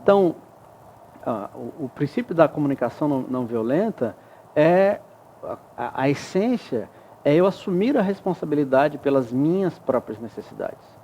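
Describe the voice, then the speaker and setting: A man speaks as a guest in a TV studio interview, laying out ideas step by step with everyday examples. He has a fairly high voice and a warm, mellow tone, and he often checks that his listener is following. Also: expressive, normal speed, slight background noise. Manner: reflective, explains with examples and frequent tag questions. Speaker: guest expert. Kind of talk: explanatory interview talk.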